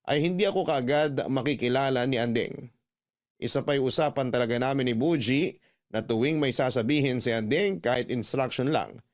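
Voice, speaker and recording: A man narrating a radio drama story in a reflective, measured first-person voice. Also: medium pitch.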